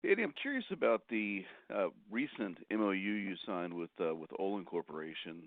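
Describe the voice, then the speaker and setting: A man with a low, heavily creaky voice asks questions as an analyst on an earnings call. He comes through a dry, narrow telephone connection. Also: expressive, fairly quick, no room sound. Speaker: financial analyst caller. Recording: roomless, thin phone line.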